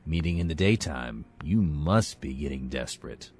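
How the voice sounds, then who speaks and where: An actor playing a smug criminal informant in an audio drama, taunting and at ease. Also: male voice, rumbling low, expressive, normal speed, a little mellow, slight background noise. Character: smug, unhurried male criminal informant squeezing for money.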